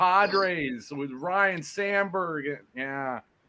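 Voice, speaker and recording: At a very slow pace, a man with an American accent speaks in a bright, sharp, high-pitched voice. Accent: Chicago, some Southern picked up. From Illinois, Chicago area. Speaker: homestead vlogger. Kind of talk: casual chat. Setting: live stream.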